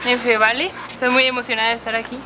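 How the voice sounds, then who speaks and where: A woman's voice: on the high side, level tone, very fast, background noise. A young woman from Mexico with a Mexican Spanish accent, an exchange student introducing herself cheerfully. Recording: faint music behind.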